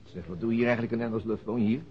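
A man's voice: lowish voice, very fast, a little hiss or hum, close to an everyday voice. A man playing a terse, weary middle-aged police inspector in a radio drama. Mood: guarded. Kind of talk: Dutch radio drama dialogue. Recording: dull lo-fi radio drama recording.

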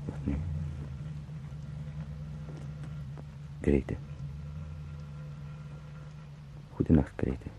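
Radio play lead: anguished man-turned-insect, low, dark, halting, brooding. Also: little pitch movement, creaky, slight background noise. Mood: resigned, weary. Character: weary, anguished travelling salesman turned into a beetle. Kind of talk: intimate radio drama monologue.

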